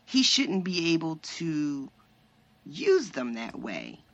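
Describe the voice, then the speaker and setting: Woman co-host, lower voice, very expressive, laughs a lot. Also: slow, muffled recording. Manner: animated, laughs often. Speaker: podcast co-host. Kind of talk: casual chat.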